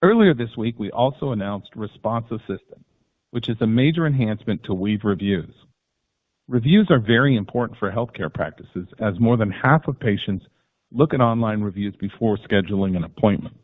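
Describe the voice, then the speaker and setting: A man's fairly low voice comes through a narrow, tinny phone line. He reads a scripted business presentation in a formal way, as a chief executive does on an earnings call. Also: expressive, moderate pace. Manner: formal, reading prepared remarks.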